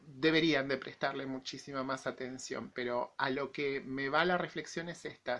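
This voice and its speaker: Speaking to camera, this Argentine-accented man in his forties gives his personal opinions as a YouTube vlogger. An infection he is getting over shows in his voice, which is high, pushed, and bright.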